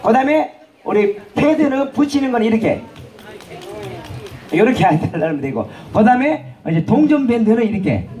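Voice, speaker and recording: High, lively rowdy male hawker. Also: moderate pace. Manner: bantering, teasing, shouted cues. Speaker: street performer and vendor. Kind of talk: rowdy comic banter with a crowd. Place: outdoor festival stage.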